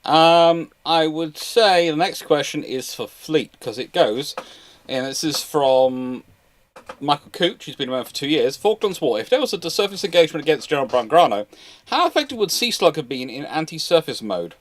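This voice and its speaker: A man's voice: fairly high pitch, lively intonation, normal speed. A man hosting a casual live question-and-answer chat, hesitant, often repeating and rephrasing his words. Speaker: host moderating questions.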